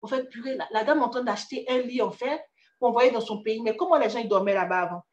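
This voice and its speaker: A woman's voice: a little high, fast talker, roomy sound, lo-fi sound. A woman with an Ivorian accent giving a chatty career-coaching talk, speaking directly to the listener with frequent restarts. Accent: Ivorian French. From Ivory Coast. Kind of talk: casual motivational talk.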